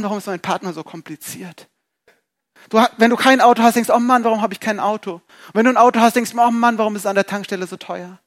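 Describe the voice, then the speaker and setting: A man preaching a sermon in a lively, rhetorical way, asking questions and acting out people's thoughts. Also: high voice.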